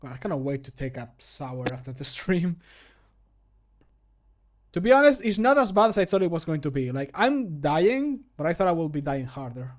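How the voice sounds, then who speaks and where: A man's voice: a little high, sing-song, normal speed. A man in his thirties chatting casually and jokingly on a livestream, close to the microphone at home. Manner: jokey, self-mocking. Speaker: streamer and mod voice actor. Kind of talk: casual livestream chat while recording. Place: small home room, indoors.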